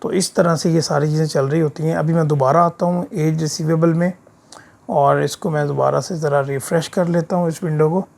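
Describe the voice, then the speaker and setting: A man with a sore throat giving an informal step-by-step software tutorial, often checking that the learner follows with short tag questions. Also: a little high, fairly even intonation, a little fast, vocal fry. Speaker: instructor of an accounting software course. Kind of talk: screen-share tutorial, informal explaining. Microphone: voice-over of a screen recording.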